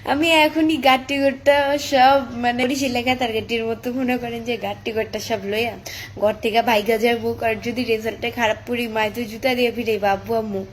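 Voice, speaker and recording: A woman's voice: fairly high pitch, steady tone, moderate pace, a little hiss or hum. A teenage girl with a Chandpur Bengali accent chatting on a live stream, reading viewer comments aloud and answering them on her phone. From Bangladesh. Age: teens.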